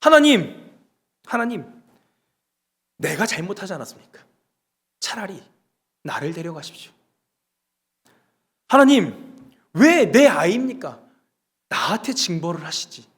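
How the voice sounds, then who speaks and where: A man's voice: high-pitched, very animated, a little slow, pauses often, fairly bright tone, breathy edge, voice pushed down, full character voice. A man voicing a grieving adult king who pleads desperately with God for his child's life. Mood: pleading.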